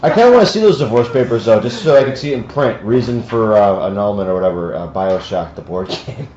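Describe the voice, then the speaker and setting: A man with a lowish voice and lively swings of pitch cracks mock-grand jokes during casual game banter. The sound is roomy and somewhat dull. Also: fast. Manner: wisecracking, mock-grand asides. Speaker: co-host and player. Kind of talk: casual joking banter on live game stream. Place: echoey room with several mic stands. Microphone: stand mic. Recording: echoey, dull room recording.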